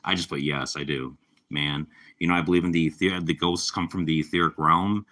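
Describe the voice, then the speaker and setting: A young man with a slightly raspy voice from a cold, chatting casually and rambling on a live stream. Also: deep voice, steady tone, a little fast, sharp tone. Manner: rambling, laid-back, lots of fillers. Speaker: livestreamer.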